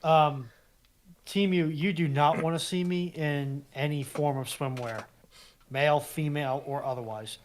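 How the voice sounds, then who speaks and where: A man's voice: fairly high pitch, steady tone, unhurried, a little hiss or hum. A man chatting casually on a livestream with a wry, self-deprecating manner. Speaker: co-host or guest on livestream. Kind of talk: casual chat.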